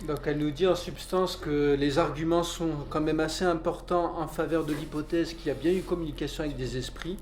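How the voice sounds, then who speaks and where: A man's voice: on the high side, fairly even intonation, fairly quick, hardly any pauses, darkish tone, echoey room. A man co-hosting a podcast, casually paraphrasing and summing up what was just read. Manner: paraphrases and sums up points conversationally. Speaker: podcast co-host. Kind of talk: casual explaining chat.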